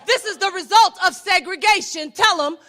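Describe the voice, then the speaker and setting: Female poet, fierce incantatory delivery, very high pitch, sharp forceful tone. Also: normal speed. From United States. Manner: fierce, declamatory, incantatory with repeated refrains. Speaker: spoken word poet. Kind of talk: spoken word poetry performance.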